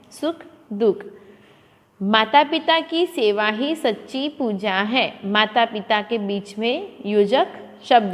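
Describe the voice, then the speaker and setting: A woman teaching a school lesson to children, explaining patiently and mixing Hindi with English words. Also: on the high side. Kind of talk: classroom lesson. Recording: long echoing reverb.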